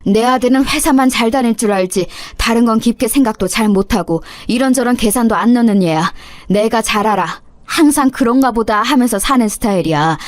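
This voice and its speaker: A woman's voice: a little high, fairly quick, dry recording, close to an everyday voice. A woman voicing an older stepmother-in-law who lectures and scolds with indignant outrage, for a radio story drama. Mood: scolding.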